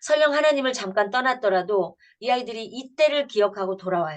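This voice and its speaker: Lively intonation from a woman at a fairly quick pace against a quiet background. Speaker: pastor. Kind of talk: lecture. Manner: fast.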